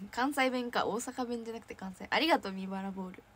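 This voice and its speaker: A woman's voice: medium pitch, fast talker, fairly bright tone, slight background noise. A young woman hosting a casual fan livestream, chatting in a bubbly way, giggling often and reading viewer comments aloud.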